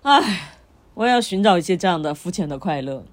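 A woman co-hosting a casual podcast chat, playful and teasing, with quick agreeing interjections. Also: on the low side, expressive. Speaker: podcast co-host.

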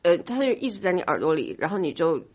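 A woman with a husky voice and a medium pitch speaks at a brisk clip. She co-hosts a podcast, explaining at length with casual enthusiasm. The audio is slightly dull. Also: big pitch swings, darkish tone. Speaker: podcast co-host. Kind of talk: casual chat.

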